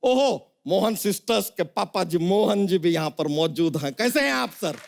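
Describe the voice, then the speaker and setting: An actor playing a boastful rustic milkman who mixes broken English into his loud, punning banter, on a comedy stage. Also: high voice, lively intonation, moderate pace, creaky. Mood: playful. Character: Bachcha Yadav, boastful rustic milkman, adult man. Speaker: comic character on a sketch show. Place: studio stage before a live audience. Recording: studio with loud audience noise.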